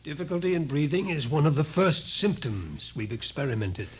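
An actor playing a coolly sardonic, authoritative scientist in a 1950s radio drama, speaking in measured, probing lines. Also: male voice, on the high side, very animated, slightly rough. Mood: cool, detached. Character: commanding male scientist, coolly sardonic, explains things calmly. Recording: noisy old 1950s radio recording.

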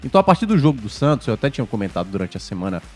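A man's voice: lowish voice, very animated, racing, darkish tone, soft background music. A man from gives casual, conversational sports commentary on a podcast. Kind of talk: casual sports chat and analysis.

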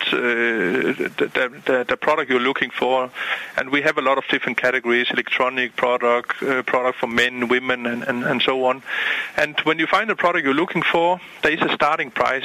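A Danish-accented man with a very bright, sharp voice, joining by phone. He talks in halting bursts full of fillers and repeated words. He explains his business in a casual way. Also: medium pitch, rough recording. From Denmark. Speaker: company president and CEO. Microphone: phone line.

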